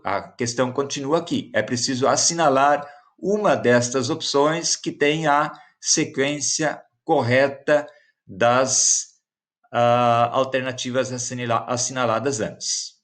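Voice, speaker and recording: Slow, patient male teacher. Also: medium pitch. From Brazil. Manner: explains step by step, frequent tag questions. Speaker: Portuguese teacher. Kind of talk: exam-prep lesson.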